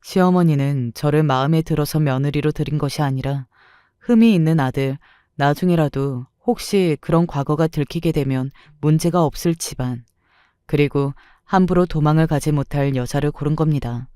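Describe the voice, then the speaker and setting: A woman's voice: sits low, moderate pace, mellow, clean tone, no echo, studio quality. A woman in her sixties narrating her own story in the first person, in a confiding, reflective tone. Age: 60s.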